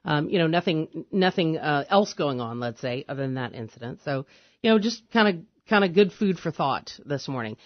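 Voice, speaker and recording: A man hosting a radio call-in show, talking in a smooth, easy host manner and agreeing along with his guest. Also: a little high, animated, no echo. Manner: smooth, conversational, quick to agree. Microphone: studio microphone. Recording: dull, dry radio studio sound.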